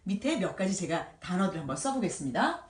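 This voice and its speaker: A woman teaching English grammar in a patient way, sounding out words slowly and repeating them. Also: fairly low pitch, big pitch swings, reverberant, recorded from a distance. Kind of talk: explaining grammar at a whiteboard.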